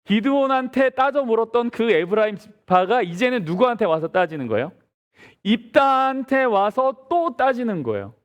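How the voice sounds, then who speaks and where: Animated pastor preaching a sermon. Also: male voice, extremely high pitch, moderate pace, dull audio. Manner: lively, asks the congregation rhetorical questions. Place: church sanctuary.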